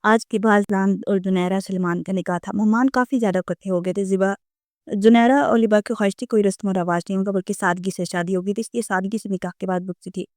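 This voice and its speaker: A woman narrator reading a romance novel aloud at a middle pitch. Her delivery is steady and even, recorded close and dry with no room echo. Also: fast talker.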